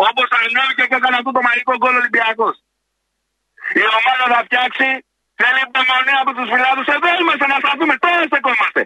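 Angry guy calling into a sports radio show, super high sharp voice, firing off his rant. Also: no room sound, poor audio. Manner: agitated, rapid-fire, confrontational. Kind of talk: heated phone-in rant on football.

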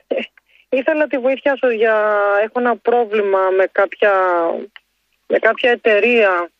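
A woman calls in to a radio show and starts hesitantly, pausing as she talks. Her voice comes through a dull, muffled line with a dry sound. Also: fairly high pitch, no room sound. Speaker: caller.

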